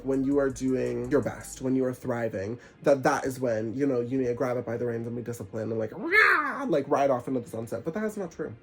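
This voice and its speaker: Congested young guy ranting bout good vibes, sarcastic and animated, medium voice, soft music behind. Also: medium pitch, vocal fry. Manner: animated, preachy, sarcastic asides. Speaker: vlogger. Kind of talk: casual spiritual advice monologue.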